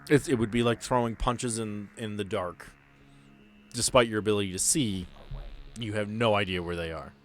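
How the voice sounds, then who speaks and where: A man's voice: on the low side, steady tone, normal speed. A man narrating a tabletop roleplaying game as game master, explaining things in a conversational way. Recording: music behind. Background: background music.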